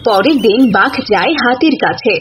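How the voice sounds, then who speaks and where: A woman's voice: a little high, expressive, moderate pace, over loud music. A woman reading scripted narration for a cartoon animal tale. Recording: muffled audio with faint noise.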